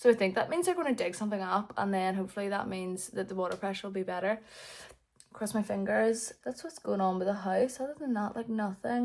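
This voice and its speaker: A woman's voice with a Northern Irish accent. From Northern Ireland. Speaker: knitting vlogger. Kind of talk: casual vlog chat. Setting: at home, on the bed.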